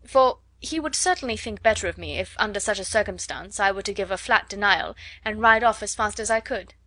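A woman voicing a good-natured young gentleman who protests good-humouredly. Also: mid-range voice, expressive, brisk, no room sound.

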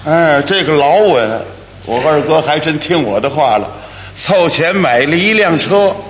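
A man telling a solo comic story in a lively, wry manner. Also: fairly high pitch, a little slow. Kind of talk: solo crosstalk monologue. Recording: echoey hall, faint noise.

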